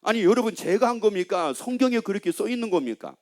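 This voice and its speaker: A man's voice: high voice, lively intonation, quick pace, darkish tone. A male pastor preaching a sermon in a church, emphatic and constantly asking the congregation questions.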